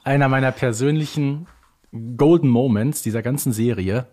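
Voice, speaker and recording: Male podcast co-host, average-pitched voice, informal quiz-duel conversation. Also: normal speed, warm tone. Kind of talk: casual chat, fan quiz banter.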